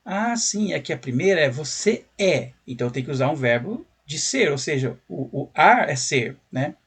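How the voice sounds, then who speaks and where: Husky Brazilian teacher explaining patiently. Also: male voice, fairly high pitch, sing-song, normal speed. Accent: Brazilian Portuguese. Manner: conversational, rhetorical questions, frequent tag "né". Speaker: English teacher. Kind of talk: explanatory video lesson.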